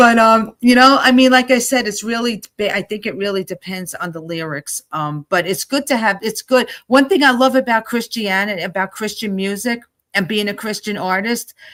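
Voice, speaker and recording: Speaking with a New Jersey accent, a woman with a fairly high voice keeps a moderate pace with hardly any pauses and ordinary pitch variation, in a dry, close sound with no echo. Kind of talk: casual chat.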